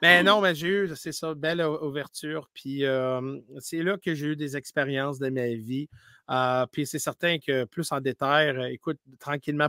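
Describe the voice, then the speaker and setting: A man who grew up speaking English, talking in as a paranormal streamer in a casual interview, telling animated stories full of restarts and English words. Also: medium pitch, no echo, studio quality. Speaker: paranormal live streamer, guest.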